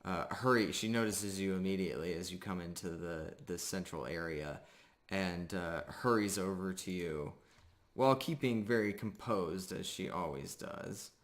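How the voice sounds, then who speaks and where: A man narrating a tabletop roleplaying game as game master, improvising in halting phrases with pauses. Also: low-pitched. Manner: halting, pausing between phrases.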